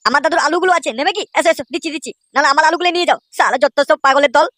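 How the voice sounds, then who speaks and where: A woman's voice: high voice, rapid-fire, a bit bright, no echo, clean studio sound. A woman voicing an aggrieved, foul-mouthed male rickshaw driver in a comedy cartoon, grumbling and cheeky. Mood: exasperated.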